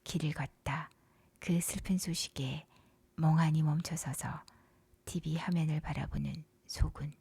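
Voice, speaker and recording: A woman whispers a bedtime story softly and breathily, leaning into a gentle, unhurried narration with short pauses between phrases. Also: deep voice, fairly even intonation, creaky, slightly rough, no echo. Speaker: narrator retelling a film story for sleep. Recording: soft music behind the whispering. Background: music.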